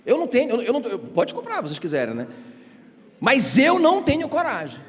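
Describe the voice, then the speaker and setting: A male pastor preaching a sermon in an animated, conversational way, full of rhetorical questions and joking asides, in a church sanctuary. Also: very high-pitched, fairly quick. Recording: reverberant church hall.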